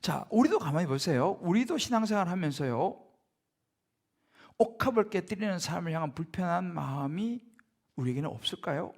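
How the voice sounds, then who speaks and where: A man's voice: high-pitched, animated, a little fast, vocal fry, a little mellow. A middle-aged male pastor preaching a sermon in a church, speaking conversationally and often turning to the congregation with rhetorical questions. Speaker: senior pastor. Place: church sanctuary.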